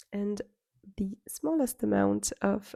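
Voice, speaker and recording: Recorded with a dry, close sound and no echo, a woman with a non-native accent speaks at a very slow pace. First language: not English. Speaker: makeup content creator. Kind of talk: makeup tutorial voiceover. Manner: halting, many fillers.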